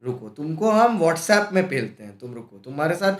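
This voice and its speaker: A man teaching a live-streamed exam-prep class, animated and scolding, full of rhetorical questions. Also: fairly high pitch, normal speed. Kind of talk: lively live-streamed lecture. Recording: echoey room.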